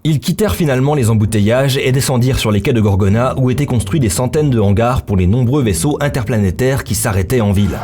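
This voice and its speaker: A man's voice: mid-range voice, lively intonation, fast, few pauses, mellow. A man narrating a scripted action story in a dramatic style, with music behind him.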